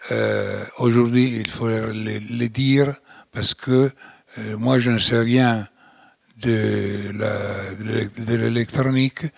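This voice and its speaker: A man's voice: fairly low pitch, fairly even intonation, takes it slowly, creaky, dry recording, clean studio sound. An older man from Italy speaking French with an Italian accent, giving a lecture with many fillers and restarts. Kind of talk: closing lecture.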